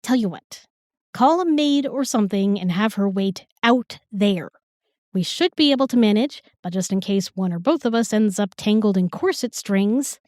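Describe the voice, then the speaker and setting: A woman's voice: mid-range voice, lively intonation, moderate pace, darkish tone, dry recording, studio quality, close to an everyday voice. A woman playing a sassy, irreverent young modern woman in a fantasy audio drama, wry and chatty. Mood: bossy, teasing.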